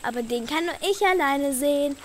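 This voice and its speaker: A high, girlish princess acted by a woman in an audio play. She is defiant and full of mischief, putting on pouty innocence over faint background ambience. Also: a little fast, a little hiss or hum, natural voice. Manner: pouting, feigned innocence. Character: mischievous little princess, defiant young daughter. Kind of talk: audio drama acting.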